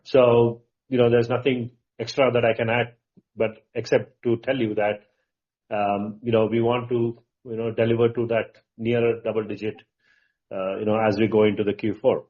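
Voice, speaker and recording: A man answers as a company executive on an earnings call, halting yet emphatic, posing questions and answering them himself. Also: on the low side, flat delivery. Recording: muffled, dull conference call audio.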